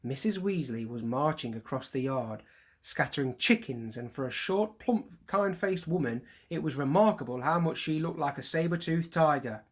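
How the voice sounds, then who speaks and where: A teacher reading a children's novel aloud to a primary school class in lively storytelling style. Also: mid-range voice, normal speed.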